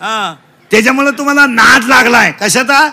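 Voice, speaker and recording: High gravelly comic preacher. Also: male voice, normal speed, slight background noise. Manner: shouting call-and-response with children; mixes broken English into lectures. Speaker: kirtan preacher. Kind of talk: comic kirtan sermon.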